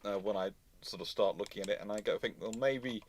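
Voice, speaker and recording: A man's voice: lowish voice, a little fast, noisy background. A man hosting an unscripted history discussion, thinking aloud and often rephrasing as he answers questions. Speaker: host answering audience questions.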